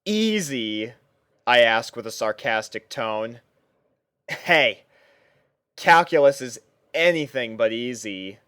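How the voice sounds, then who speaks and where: Guy narrating a fanfic, slow pace, smooth clear voice, dry recording. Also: medium pitch, expressive, bright, forceful tone, no room sound. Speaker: fan fiction reader and narrator. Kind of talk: first-person scripted story narration.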